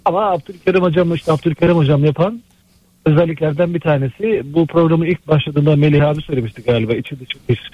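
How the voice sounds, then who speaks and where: A man's voice: a little high, quick pace, husky, no echo, dull audio. A man calling in to a radio show over a landline phone, talking earnestly with many hesitant fillers. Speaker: radio call-in listener.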